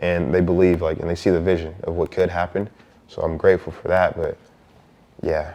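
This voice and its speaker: A man with a very deep, low pitch and a dark, mellow tone speaks fairly quickly in a monotone, flat intonation. He leaves long, frequent pauses. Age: 20s. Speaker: content creator.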